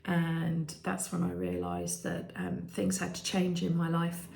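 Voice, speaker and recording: A British woman in her fifties, vlogging candidly with many ums and restarts and a voice that turns croaky at times. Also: fairly low pitch, sing-song, measured pace, a little mellow. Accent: British English. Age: 50s. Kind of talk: candid personal vlog. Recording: echoey room.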